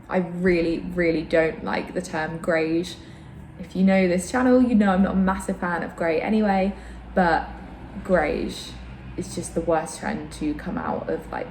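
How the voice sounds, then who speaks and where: A woman's voice: on the low side, a little mellow. A woman vlogger with a slight sore throat chats casually to camera about her opinions, informal and self-deprecating. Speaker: vlogger and host. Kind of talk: casual fashion chat to camera. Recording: roomy echo, clear background noise.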